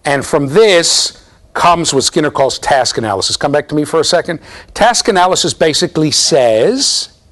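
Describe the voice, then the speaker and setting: A man's voice: a little high, lively intonation, normal speed, fairly bright tone. A man in his fifties giving a university lecture in a classroom, explaining eagerly and often checking in with "okay?" and "right?". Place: classroom with bookshelves.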